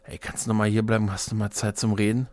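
A man's voice: fairly low pitch, level tone, fast, a little mellow, no room sound. A man in a casual, joking, colloquial podcast chat, telling anecdotes. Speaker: podcast host.

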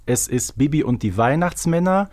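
A man's voice: on the high side, lively intonation, moderate pace, a little mellow, no room sound, clean studio sound. A man co-hosting a podcast, chatting casually through a quiz game. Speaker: podcast host playing a quiz. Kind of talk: casual chat.

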